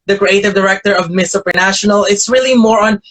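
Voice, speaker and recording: High-voiced enthusiastic male interviewer. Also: fairly even intonation, fast talker, fairly bright tone. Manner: enthusiastic, effusive thanks and praise. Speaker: host, interviewer. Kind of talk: pageant interview. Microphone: video call.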